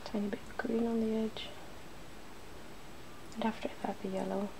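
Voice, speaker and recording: A woman hosting an ASMR makeup demonstration, speaking in soft, breathy whispers and hushed tones as she narrates each step playfully. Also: on the high side, level tone, moderate pace, noisy background. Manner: playful, giggly. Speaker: ASMR video host.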